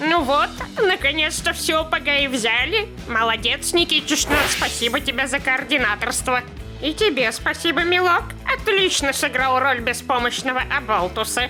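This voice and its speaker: Clear music plays in the background as a woman in a cartoonish character voice speaks at a high pitch and a moderate pace. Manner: folksy, warm.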